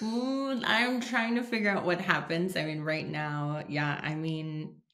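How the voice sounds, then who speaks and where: In a room with audible echo, a woman with an American accent speaks at a fairly slow pace, with very wide pitch swings. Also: fairly low pitch for a woman. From US, New York City. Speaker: facilitator. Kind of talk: podcast interview. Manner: animated.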